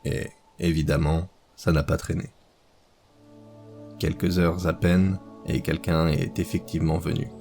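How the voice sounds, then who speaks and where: A man reading a horror story aloud as scripted narration, slow and measured. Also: low-pitched, flat delivery, vocal fry, warm tone, soft background music.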